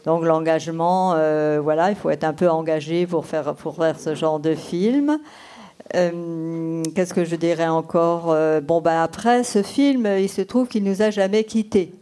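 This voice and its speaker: An elderly woman in her eighties from Brittany, a native Breton speaker, answers interview questions as a documentary filmmaker. Her voice sits low and warm and moves a little slowly as she tells stories at her own pace, thinking aloud.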